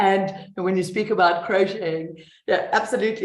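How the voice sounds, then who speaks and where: Ordinary pitch variation in a woman's voice, plus audible room echo. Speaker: financial educator. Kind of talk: interview.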